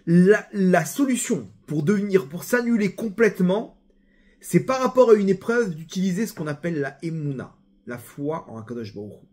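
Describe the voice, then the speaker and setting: A young preacher leads a religious class in a high, lively voice. He tells stories and speaks right to his listeners with bursts of urgency. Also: normal speed. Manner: animated, storytelling, addresses listeners directly. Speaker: rabbi teacher. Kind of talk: sermon-style Torah class.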